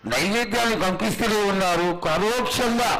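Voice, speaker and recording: A man's voice: high-pitched, brisk, rough recording. A man acting as a priest, addressing an oracle reverently in a ceremonial way and putting questions to her. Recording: live ceremony with faint background noise.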